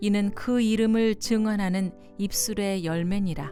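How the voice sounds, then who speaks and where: A woman speaks at a very slow pace with music playing in the background. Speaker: announcer. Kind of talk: Bible reading.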